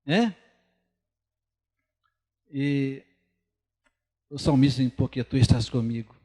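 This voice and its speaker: A middle-aged man with a Brazilian Portuguese accent preaching a sermon in a church, speaking earnestly and conversationally with pauses. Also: medium pitch, darkish tone. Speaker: lay preacher. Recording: church hall reverb.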